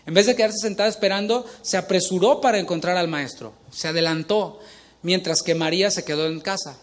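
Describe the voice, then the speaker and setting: A man's voice: high-pitched, fairly quick. A middle-aged male pastor preaching a sermon, asking the congregation questions as he reads scripture.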